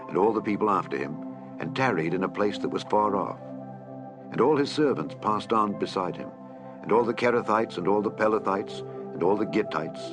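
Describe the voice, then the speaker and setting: Male narrator, low voice, solemn measured Bible reading, music bed underneath. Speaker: Bible reader. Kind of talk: scripture reading. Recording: reading over clear background music.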